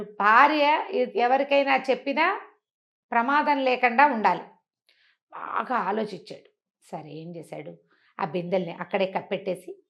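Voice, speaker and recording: A woman's voice: a little high, fairly bright tone, lo-fi sound. A woman telling a folk story informally, in a conversational way with explanatory asides and rhetorical questions.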